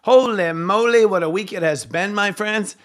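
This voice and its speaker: A man with a hoarse voice, hosting a live astrology show in a chatty way, with frequent fillers and self-corrections. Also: sits high, moderate pace.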